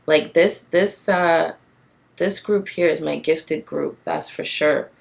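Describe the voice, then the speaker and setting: Woman, low gravelly voice, tired rasp; passionate, encouraging tarot reader talking to camera. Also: fairly even intonation, slow. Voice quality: raspy from tiredness. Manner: passionate, encouraging, repeats phrases for emphasis. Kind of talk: casual spiritual card reading to camera.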